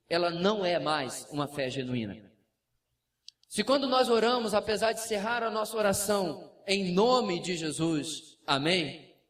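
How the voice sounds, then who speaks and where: A Brazilian man with a Brazilian Portuguese accent preaching a lively sermon in a church, with asides and acted quotes. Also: a little high. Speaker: pastor. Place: church sanctuary. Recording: distant mic, faint room noise.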